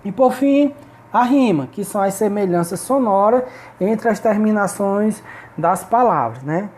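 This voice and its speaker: A woman's voice: medium pitch, lively intonation, a little slow, a little mellow. A woman teacher explaining a lesson step by step, often checking in with her students. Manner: explanatory, frequent checking tags like "né?" and "ok?". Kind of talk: recorded online class lesson.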